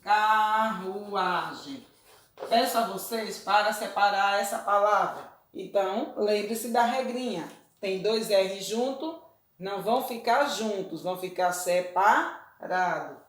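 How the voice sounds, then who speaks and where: A woman's voice: mid-range voice, unhurried. A woman teacher giving a recorded lesson, explaining rules patiently and often checking that her students follow. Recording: roomy echo.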